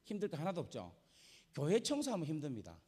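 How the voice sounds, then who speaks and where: A male pastor preaches a sermon. He swings from fervent shouting to soft, conversational asides. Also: fairly high pitch, huge pitch swings, quick pace. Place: church sanctuary. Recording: long church reverb.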